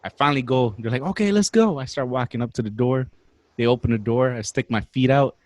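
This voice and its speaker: A man in his twenties casually telling a story on a podcast, animated and slangy, swearing freely. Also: medium pitch, a little fast, no room sound. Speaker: podcast guest.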